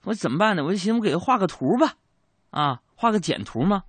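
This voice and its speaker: Lively young man doing stand-up. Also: high-pitched, fast, slightly rough, dry recording. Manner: chatty storytelling with colloquial asides and self-mocking punchlines. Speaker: comedian. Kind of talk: stand-up comedy monologue.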